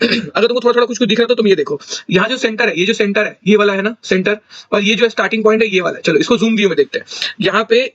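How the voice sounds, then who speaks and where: High-voiced young man talking through solutions. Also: very fast, a bit bright, no room sound, lo-fi sound. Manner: thinks aloud, corrects himself mid-sentence. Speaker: exam solution tutor. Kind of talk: casual explanatory walkthrough.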